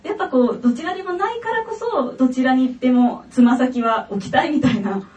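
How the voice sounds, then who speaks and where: A woman's voice: sits high, a little fast, darkish tone. A woman author from Taiwan in a public talk who often laughs while speaking, and who also reads her own piece aloud. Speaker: author at a book event. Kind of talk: public dialogue and reading aloud. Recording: distant, roomy, dull event audio.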